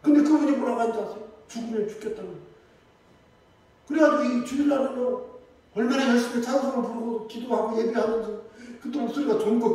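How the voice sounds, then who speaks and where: A man preaching a Sunday sermon in lively storytelling style, acting out the voices of the people in his stories. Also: high-pitched. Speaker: pastor. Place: church sanctuary. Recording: echoey church hall, mic from a distance.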